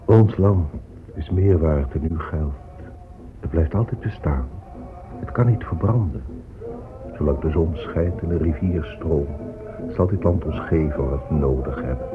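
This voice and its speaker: An actor playing a dignified, sorrowful Native American elder in a solemn radio drama oration. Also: male voice, a bass voice, measured pace. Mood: proud defiance. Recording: muffled phone-like old radio recording. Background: music.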